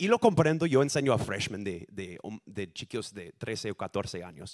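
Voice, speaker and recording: A man with an American accent speaks at a medium pitch and a moderate pace, his intonation lively. The sound is dry and close with no echo, on a very clean recording with a silent background. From US Midwest (Elkhart, Indiana). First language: English (speaking Spanish). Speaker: lay preacher and high school Spanish teacher. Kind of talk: sermon. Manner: halting.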